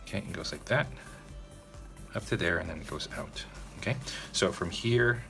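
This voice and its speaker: This drawing tutorial host has a low, bright, forceful voice with some vocal fry, and faint music plays in the background. He walks through the drawing step by step, casually speaking to viewers and frequently checking in with "okay?"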